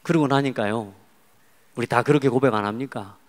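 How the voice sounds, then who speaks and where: A man with a Jeolla Korean accent preaching a sermon as a pastor, telling stories, dropping to a hush and then rising to loud emphatic lines. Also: mid-range voice, a little fast. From South Jeolla, Korea. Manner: storytelling, swings from hushed to loud emphatic. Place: church sanctuary. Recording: long church hall reverb.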